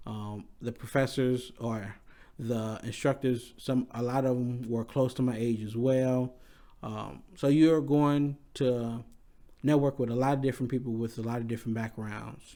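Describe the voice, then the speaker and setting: In a dark, mellow tone, a man speaks at medium pitch with monotone, flat intonation. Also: fairly slow pace. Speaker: podcast host. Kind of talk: solo podcast monologue. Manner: halting, many fillers and restarts.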